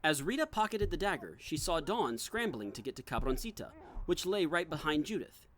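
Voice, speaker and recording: A man's voice: on the high side, big pitch swings, fairly quick, fairly bright tone. A man reading scripted, dramatic narration as the narrator of an audio drama.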